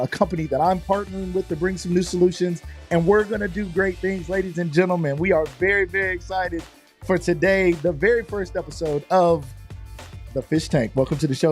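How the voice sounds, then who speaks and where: A middle-aged man hosting a live online show, slightly hoarse from losing his voice, talking in an upbeat, chatty way and greeting viewers by name. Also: a little high, fairly quick, faint music behind. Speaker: host.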